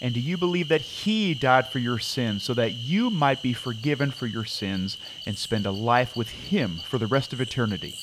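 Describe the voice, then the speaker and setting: A man's voice: medium pitch, animated, normal speed, few pauses, noisy background, close to an everyday voice. An actor playing an earnest camp preacher, folksy and solemn as he addresses his flock in an audio drama. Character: earnest male camp preacher leading a baptism.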